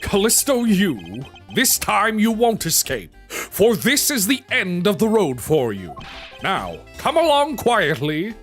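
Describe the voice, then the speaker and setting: A streamer playing a stern, composed male prosecutor who reasons aloud in formal, measured video game dialogue. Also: medium pitch, wildly swooping pitch, a bit bright, soft background music, full character voice. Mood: commanding.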